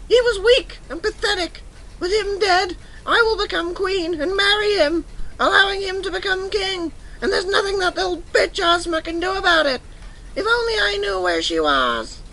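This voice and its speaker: A woman's voice: very high-pitched, animated, normal speed, bright, forceful tone, slight background noise, exaggerated voice, poor audio. A woman playing an evil, vain, scheming princess with a witch's head, gloating theatrically in an audio drama. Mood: scornful, scheming.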